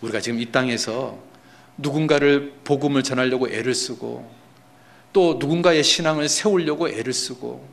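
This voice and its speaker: A man's voice: medium pitch, moderate pace, creaky. A male pastor preaching a sermon in a church, telling a story that rises to emphatic, impassioned peaks. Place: church sanctuary.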